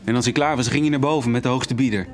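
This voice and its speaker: An actor plays a jaded male club boss in an audio drama. His voice sits at a middle pitch, and he is guarded, dismissive and patronisingly familiar. Music plays clearly behind him. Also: fairly even intonation, racing, lightly acted. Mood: bitter, knowing.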